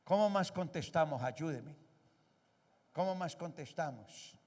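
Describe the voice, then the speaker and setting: Emphatic pastor in an echoey hall. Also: male voice, a little high, lively intonation, a little slow, darkish tone. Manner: emphatic, asks the congregation rhetorical questions. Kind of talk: sermon. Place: church hall.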